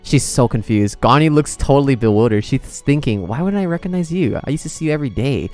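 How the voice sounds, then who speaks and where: A woman's voice: extremely low pitch, animated, fast talker, a little mellow, soft background music. A woman livestreaming a game, reacting casually in slangy, giggly commentary. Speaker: game streamer.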